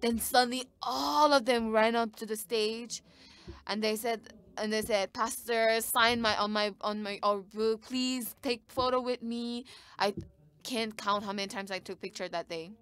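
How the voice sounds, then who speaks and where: Higher-pitched woman interpreting a sermon. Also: fairly even intonation, a little slow, a bit bright, smooth. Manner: short bursts with frequent restarts.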